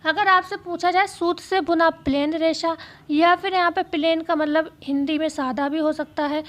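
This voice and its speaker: A woman teacher going through exam questions, speaking slowly and repeating key phrases so students can write them down. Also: very high voice, fairly even intonation, a bit bright. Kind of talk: exam-prep lesson.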